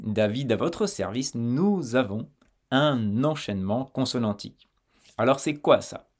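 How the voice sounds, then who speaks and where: A man teaching French pronunciation, slowly modelling words and phrases and repeating them for the listener to copy. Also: mid-range voice, a little mellow. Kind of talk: pronunciation lesson.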